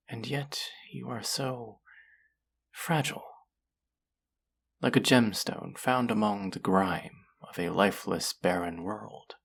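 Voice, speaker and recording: A performer playing a cruel alien collector in an audio drama, condescending and cooing with false kindness, slowly savoring the words. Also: deep voice, vocal fry, husky, exaggerated voice. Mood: mock-tender, fascinated. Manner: condescending, cooing, slow and savoring, often dropping to whispers. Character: cruel, covetous alien collector-artist feigning kindness to a captive. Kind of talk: dramatic second-person audio roleplay monologue.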